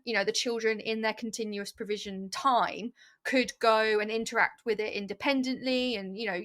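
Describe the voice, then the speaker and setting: A woman's voice: a little high, normal speed. Chatty woman telling stories. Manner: animated storytelling with many fillers. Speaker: early years teacher and podcast host. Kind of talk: casual chat.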